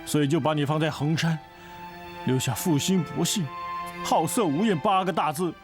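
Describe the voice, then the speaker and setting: A man's voice: on the high side, normal speed, lightly acted. An actor playing a guilt-ridden, melodramatic father in a period martial-arts TV drama, theatrical and wailing. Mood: rambling storytelling. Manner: wailing and theatrical, swinging between sobs and rambling stories. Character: guilt-ridden, melodramatic father who keeps trying to die. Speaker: the young woman's father. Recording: TV drama with music score.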